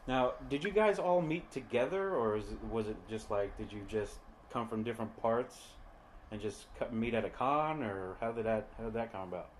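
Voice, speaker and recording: A man's voice: mid-range voice, normal speed, slight background noise. A young man hosting a casual podcast chat, hesitant and full of fillers and restarts. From Long Island, New York. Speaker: podcast host.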